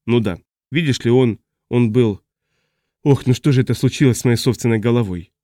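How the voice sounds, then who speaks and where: A man's voice: medium pitch, mellow, dry recording, studio quality, natural voice. A man reading as a fretful, forgetful man. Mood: confused, fretful. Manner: fretful, halting, trailing off mid-sentence. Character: confused, agitated man who has lost his memory. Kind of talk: audiobook character reading.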